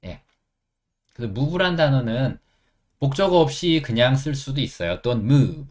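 Lively Korean man teaching English. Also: mid-range voice. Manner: explains step by step, repeating phrases slowly. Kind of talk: English lesson on a livestream.

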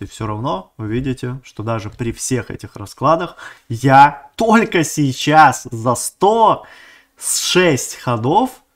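A man talking casually over gameplay as a video game channel host, chatty and thinking aloud, often correcting himself mid-sentence and using gamer slang. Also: medium pitch. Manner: uses many diminutives and gamer slang. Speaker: gaming YouTuber.

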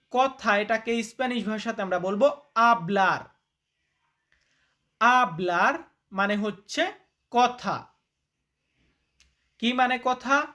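A man's voice: very high-pitched, bright, forceful tone. A man teaching a spoken vocabulary lesson. He repeats each word to drill it, quizzes the listener, and addresses viewers informally as brother. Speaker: language teacher.

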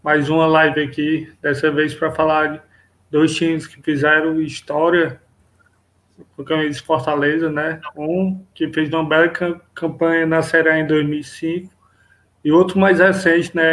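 A man in his thirties giving casual sports opinions as a panelist on a video call. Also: fairly high pitch. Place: room at home, indoors.

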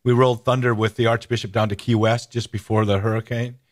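A middle-aged man hosting a radio interview, telling stories in a lively, casual way with many restarts and fillers. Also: medium pitch, quick pace. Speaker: host.

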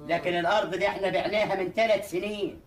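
Man acting an indignant, quick-talking merchant. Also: high-pitched, steady tone, far from the mic, lightly acted. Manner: protesting. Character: indignant male merchant's partner. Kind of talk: historical film acting. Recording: echoey room, off mic.

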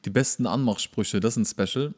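A man's voice: on the low side, fairly quick, a little mellow. A young man chatting casually as a podcast co-host, commenting on a show with joking, sarcastic remarks. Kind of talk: casual chat and commentary while watching a show.

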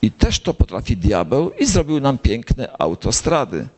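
An older priest preaches at an unhurried pace and speaks as if telling a story. His voice sits at an ordinary male pitch, and he now and then jumps up high to stress a point. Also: wildly swooping pitch, a little mellow. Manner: slow storytelling, rising to high emphatic lines. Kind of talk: sermon. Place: gathering of bible circles.

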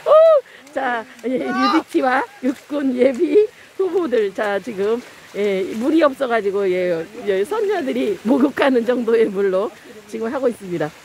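Excited lady filming outside, high voice, slow running commentary, bit of background noise. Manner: excited cheering and exclaiming. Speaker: camera operator and narrator. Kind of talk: live running commentary, casual vlog. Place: outdoors beside a snowy stream. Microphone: behind the handheld camera. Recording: noisy outdoor phone camera recording.

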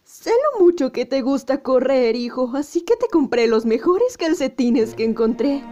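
A woman voicing a gentle, doting hedgehog mother in a cartoon fan dub. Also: sits high, very animated, moderate pace. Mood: motherly. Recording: muffled home recording, music behind.

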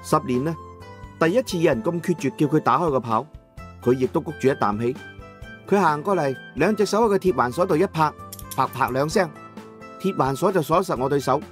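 A man narrating an audiobook in the first person in Cantonese, with colloquial, expressive dramatic storytelling. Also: fairly high pitch, brisk, soft background music.

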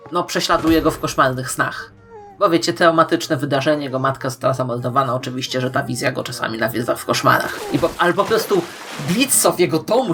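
Low-pitched, emphatic woman vlogger. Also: fairly bright tone. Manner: playful, emphatic, dramatic pauses. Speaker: YouTube host. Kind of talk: scripted fan-theory commentary to viewers.

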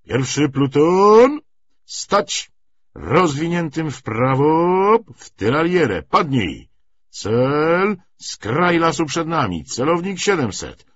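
A male reader plays a hard cavalry drill sergeant from a war novel audiobook. He barks loud, clipped orders in a raised, husky voice and heaps coarse scorn on his recruits. The sound is slightly dull. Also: on the high side, very animated, slow pace, voice pushed up, exaggerated voice. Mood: barking, scornful. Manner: shouted, clipped commands with coarse sarcasm. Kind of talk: audiobook character reading.

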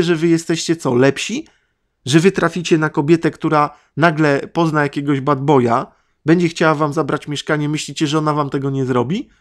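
A man hosting his own podcast rants angrily and sarcastically, firing rhetorical questions at his listeners. His voice sits a little higher than most men's. Now and then he swears. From Poland. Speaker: podcast host. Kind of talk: ranting monologue.

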